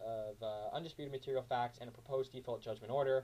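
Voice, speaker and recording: Very fast speech comes from a man. His voice is somewhat breathy. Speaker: legal process educator. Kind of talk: tutorial. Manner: hesitant with many fillers.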